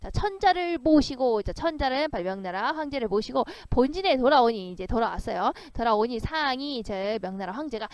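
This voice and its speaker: High, lively woman tutor. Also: a little fast, hardly any pauses, no room sound. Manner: animated, acts out lines from the story in voices, often laughs. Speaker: literature tutor. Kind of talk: exam literature lecture.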